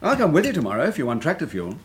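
An actor playing a helpful, brisk farm companion in a 1960s radio drama. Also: male voice, a little high, huge pitch swings. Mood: inquiring, helpful. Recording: faintly noisy vintage radio recording.

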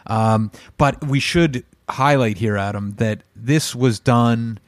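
A man's voice: medium pitch, slow, no room sound. A man speaking as a podcast co-host. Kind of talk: podcast hosting, sponsor reads and chat.

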